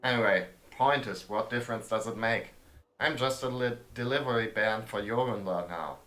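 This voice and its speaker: A man's voice: normal speed, fairly bright tone. A man streaming a story game, chatting wryly and reading its dialogue aloud. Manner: wry, self-mocking, reads dialogue with raised pitch. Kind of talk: casual let's-play commentary, reading game text aloud.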